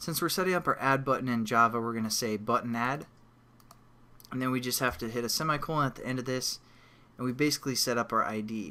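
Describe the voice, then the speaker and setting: A man talks at a very fast pace in a medium pitch. His tone is bright and sharp. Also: ordinary pitch variation. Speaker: programming tutorial instructor. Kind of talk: tutorial. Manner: casual, with fillers.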